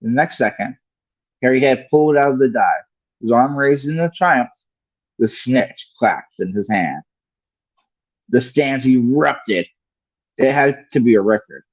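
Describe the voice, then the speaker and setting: Male narrator, read-along storytelling, medium pitch, occasional stumbles and corrections, dull lo-fi sound, dry. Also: measured pace, pauses often, no room sound. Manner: stumbles over words and corrects himself. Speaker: livestream host reading aloud.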